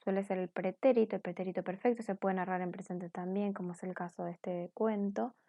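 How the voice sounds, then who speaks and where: Patient woman teacher, mellow dry voice. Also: medium pitch, fairly even intonation, a little fast, vocal fry, no echo. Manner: patient, explanatory, checks in with "¿sí?". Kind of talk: recorded class correction lesson.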